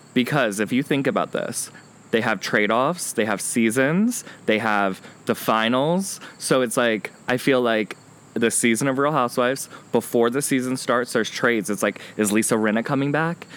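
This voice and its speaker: A man talks at a moderate pace and medium pitch, with ordinary pitch variation. His loudness stays very even. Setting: outdoors. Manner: animated, chatty.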